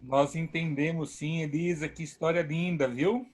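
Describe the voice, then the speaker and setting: A man's voice: a little high, steady tone, moderate pace. Emphatic pastor man hosting from home. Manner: emphatic, repeats phrases, praises God. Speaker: pastor hosting an online service. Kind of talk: warm preaching talk.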